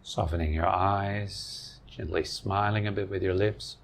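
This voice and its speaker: Low male voice, gravelly creak, meditation teacher, calm and gentle, short phrases, long pauses. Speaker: meditation teacher and podcast host. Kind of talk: guided meditation.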